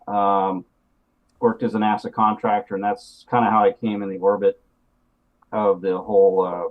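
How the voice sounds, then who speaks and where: A low-voiced older man talks over muffled call audio. He is a veteran engineer speaking plainly and matter-of-factly. He halts now and then on fillers. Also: little pitch movement. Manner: plain, matter-of-fact, halting. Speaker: mechanical engineer guest. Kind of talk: casual technical talk.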